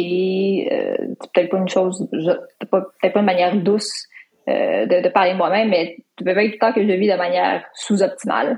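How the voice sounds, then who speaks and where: A woman talks in a plain, everyday voice at medium pitch, with fairly even intonation and a moderate pace. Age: 20s. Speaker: lawyer and entrepreneur. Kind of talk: interview.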